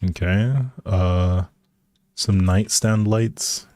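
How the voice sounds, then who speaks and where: Unhurried, low-voiced man streaming casually. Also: flat delivery, a little mellow, no echo, clean studio sound. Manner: musing aloud, hesitant. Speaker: live streamer. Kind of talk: casual game stream commentary.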